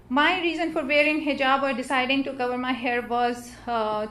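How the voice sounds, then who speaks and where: A woman's voice: high-pitched, fairly bright tone, slight background noise. Earnest Pakistani woman speaking on a panel. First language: Urdu. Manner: earnest, halting, many fillers and restarts. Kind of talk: panel talk at an interfaith symposium. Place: church hall.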